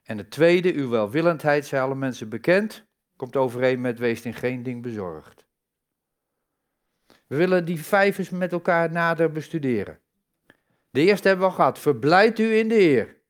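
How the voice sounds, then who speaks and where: A man's voice: a little high, lively intonation, moderate pace. A man giving a sermon in a conversational way, asking the congregation rhetorical questions and stressing key words. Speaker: preacher.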